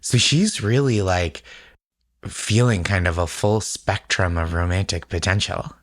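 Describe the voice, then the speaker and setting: A man co-hosting a relaxed bedtime podcast, talking in loose, casual, halting phrases. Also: low-pitched, dry recording, studio quality. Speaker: podcast co-host.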